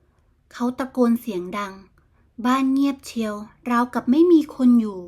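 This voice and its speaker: A woman's voice: a little high, moderate pace, a little mellow. Woman reading a bedtime tale. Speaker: storyteller. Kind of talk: bedtime story narration.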